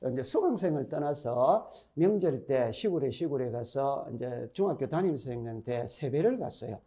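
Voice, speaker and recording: A man's voice: mid-range voice, dark tone. A middle-aged man with a Gyeongsang accent gives an exam-prep lecture, chatty, repeating key points and quizzing his students. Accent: Gyeongsang Korean. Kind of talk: recorded classroom lecture.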